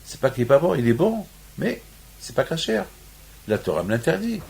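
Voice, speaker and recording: A man's voice: a little high, sing-song, moderate pace, vocal fry, darkish tone. A man from Morocco giving a sermon on the weekly Torah portion, restating his points over and over and rising into emphatic peaks. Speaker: rabbi.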